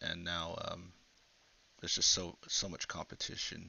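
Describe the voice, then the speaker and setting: A man whispers quietly. His pace is fairly slow. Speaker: digital artist streamer. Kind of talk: casual live stream talk while painting. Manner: quiet, almost whispering; halting, many fillers.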